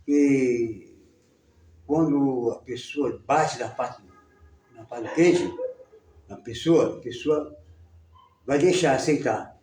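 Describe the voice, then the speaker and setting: A man teaching a church class, telling a story in a casual, halting way with many repetitions. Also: medium pitch, dark tone, slight background noise. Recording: roomy sound, distant mic.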